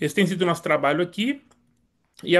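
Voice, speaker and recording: Background is quiet as a man talks in a high pitch. His pitch varies in an ordinary way. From Brazil, interior of São Paulo state (Taubaté). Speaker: missions pastor, missionary. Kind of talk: testimony.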